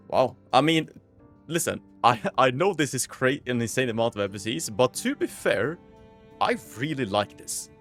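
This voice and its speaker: A man hosting a gaming video, giving casual gameplay commentary with excited outbursts and casual slang. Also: medium pitch.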